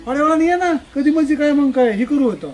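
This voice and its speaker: A needy, insistent young lover, played by a man in a village comedy. He talks quickly and keeps pressing his case. Clear music runs beneath him. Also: sits high, a little mellow, lightly acted. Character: pushy young secret lover. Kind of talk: village comedy drama acting.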